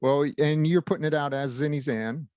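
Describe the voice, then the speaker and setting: A man's voice: on the high side, steady tone, normal speed, darkish tone, clean tone, no echo, clean studio sound. A male podcast host asking short, casual interview questions. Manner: brief, with short backchannel replies.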